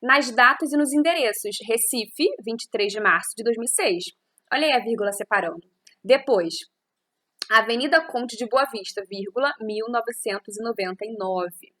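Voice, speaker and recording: A woman's voice: fairly high pitch, moderate pace, pushed and bright. A woman teacher recording an audio lesson close to the microphone, explaining patiently and checking in with her students through frequent tag questions. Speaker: Portuguese teacher.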